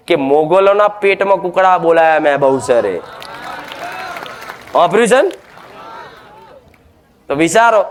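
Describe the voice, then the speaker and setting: A man preaching a devotional sermon, emphatic and scolding, full of rhetorical questions. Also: high voice.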